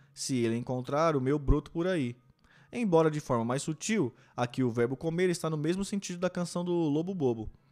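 Music plays in the background. A man talks at a fairly high pitch with ordinary pitch variation. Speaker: audiobook reader and live streamer. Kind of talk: audiobook reading. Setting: live stream, home setup. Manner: measured, even reading-aloud pace, formal book prose; casual, chatty and friendly between readings.

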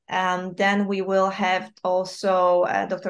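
Here is a woman speaking. She has a Polish accent. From Poland, Wrocław. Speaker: veterinary anesthesiologist. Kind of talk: casual interview.

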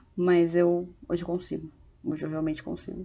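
The woman speaks fairly quickly, with a quiet background behind her. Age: 20s. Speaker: podcast host. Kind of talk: casual solo monologue. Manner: animated.

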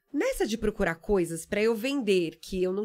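The voice belongs to a woman with a medium pitch. Its rises and falls are normal. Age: 30s. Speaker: former telemarketing worker and entrepreneur. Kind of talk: interview.

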